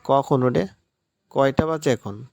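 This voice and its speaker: A man's voice: medium pitch, takes it slowly, creaky, darkish tone, dry recording, studio quality. Man playing a stern, bossy rich patriarch. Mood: irritated. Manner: commanding, irritated. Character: stern older rich father, house owner, bossy.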